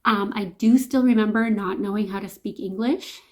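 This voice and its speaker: A woman's voice: medium pitch, steady tone, moderate pace, darkish tone. A woman with a Canadian accent talking to camera in a casual, chatty, informal vlog style. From Canada, immigrated from Slovakia at five. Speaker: vlogger, host.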